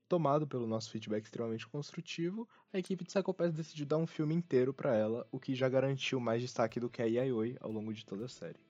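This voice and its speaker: A man's voice: medium pitch, warm tone. Wry Brazilian man hosting, slightly muffled sound. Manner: wry, self-mocking. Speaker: podcast host. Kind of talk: casual humorous anime podcast chat. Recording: dull lo-fi sound, music behind.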